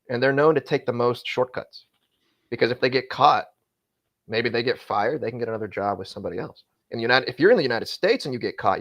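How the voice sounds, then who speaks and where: A man who used to be a freight broker, giving casual, candid advice in conversation, often restarting his sentences as he talks. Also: mid-range voice. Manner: rambling, frequent self-restarts, candid. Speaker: former freight broker, guest.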